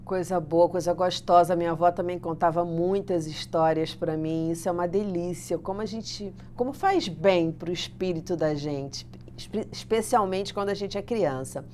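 A woman's voice: on the low side, moderate pace, darkish tone, a little hiss or hum. A woman interviewing a guest in a studio, affirming his answers and asking follow-up questions.

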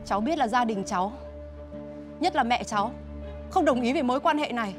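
An actress gives voice to a middle-aged TV drama mother who is fierce and protective. She scolds and shouts in a high voice, with a drama score running clearly underneath. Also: expressive, fairly quick, music in the background, close to an everyday voice. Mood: stern. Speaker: mother of Thi. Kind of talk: TV drama acting.

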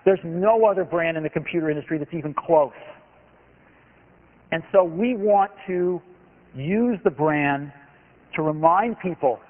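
Man, 40s, keynote presenter, emphatic, large hall, phone-like lo-fi audio. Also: fairly high pitch. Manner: enthusiastic, emphatic salesmanship. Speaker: company executive giving a keynote. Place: large conference hall stage. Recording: tinny lo-fi archive recording of a hall.

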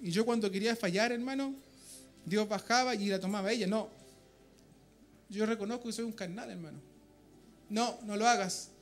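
A man's voice: sits high, fairly quick, pauses often, faint music behind. A man with a Chilean accent giving a fervent testimony to a church congregation, often calling out to his brothers in faith. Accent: Chilean Spanish. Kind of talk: emotional spoken testimony in church. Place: church meeting room.

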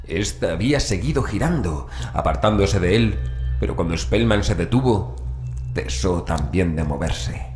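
A man narrating a horror audiobook in a measured, dramatic way with deliberate pauses. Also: low voice, animated, a little mellow, faint music behind. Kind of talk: scripted horror story narration. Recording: roomy echo, faint background noise.

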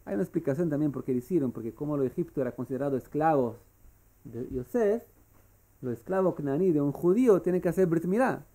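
Gravelly-voiced man teaching Torah. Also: a little high, animated, fast talker, warm tone. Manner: searches for words, stumbling restarts. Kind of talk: Torah class.

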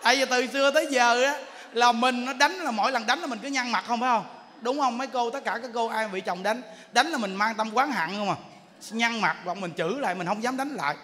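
A Buddhist monk, giving a jokey, lively storytelling sermon in which he acts out characters. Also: extremely high pitch, brisk. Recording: echoey hall, faint ambience.

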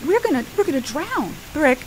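A woman acting an excitable, nosy small-town newspaper reporter in an improvised radio drama, exclamatory and dramatic. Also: high voice, brisk, slight background noise, rough recording. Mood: alarmed, urgent.

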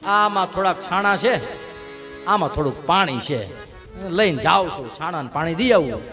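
A man's voice: a little high, expressive, normal speed, in a large hall, music in the background, lightly acted. A man voicing an earnest, humble young devotee.

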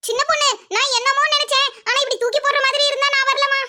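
A woman's voice: very high-pitched, steady tone, fast, sharp tone, slight background noise, exaggerated voice. A woman voicing a sly, greedy village gossip in a cartoon dub who teases and eggs others on. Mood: sly, teasing.

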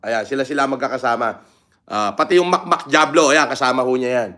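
A man's voice: mid-range voice, a little fast, sharp tone. A middle-aged man talking bluntly on a casual livestream, swearing openly and reading out viewer comments. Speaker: livestream vlogger.

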